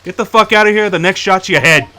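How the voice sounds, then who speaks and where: A man playing a gruff, foul-mouthed black-market implant dealer in a sci-fi audio drama, brash and hard-bargaining. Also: high voice, fast, sharp tone. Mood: furious, threatening.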